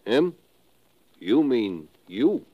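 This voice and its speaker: A man's voice: medium pitch, sing-song, drawn-out words. A man acting as a wry, worried sidekick in a 1950s radio drama. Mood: wry, uneasy. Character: dry, worried male sidekick of an agent. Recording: muffled noisy old radio recording.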